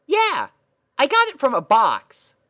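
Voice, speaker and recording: A man voicing a perky, bossy female unicorn princess in a story, chirpy and pushy in falsetto. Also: huge pitch swings, slow pace, bright, forceful tone, heavily acted. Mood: cheerful, breezy.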